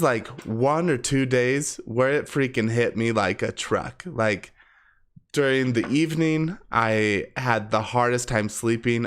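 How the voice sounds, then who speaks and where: A man's voice: medium pitch, smooth. A man with a slightly congested, sniffly voice from a cold, chatting casually and conversationally to his live stream viewers. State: sick with a cold.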